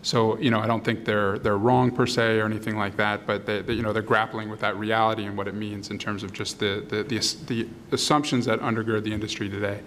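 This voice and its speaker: A man's voice: on the low side, little pitch movement, fast talker, hardly any pauses, fairly bright tone, a little hiss or hum. A man speaking as a panelist at a policy discussion, filling his talk with "you know" and "um". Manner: filler-heavy, many "you know"s and "um"s.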